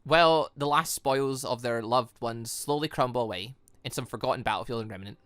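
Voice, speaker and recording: A man voicing a serious, guarded young female hunter in a visual novel, measured and matter-of-fact. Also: mid-range voice, fairly bright tone, clear, resonant tone, no echo, voice pushed down, lightly acted. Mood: serious, subdued. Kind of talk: visual novel dialogue reading.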